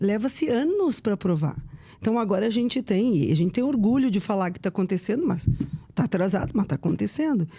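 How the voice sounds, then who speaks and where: Woman at medium pitch, somewhat breathy, dark and mellow, fairly quick pace, very wide pitch swings. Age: 60s. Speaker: vice mayor and politician. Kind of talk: podcast interview. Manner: halting, many restarts and fillers.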